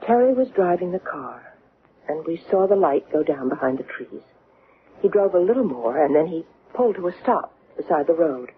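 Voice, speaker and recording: An actress playing an earnest, troubled woman under hypnosis in a radio drama, speaking haltingly. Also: fairly low pitch, sing-song. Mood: trance-like recall. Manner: hesitant, halting. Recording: noisy, tinny old radio broadcast.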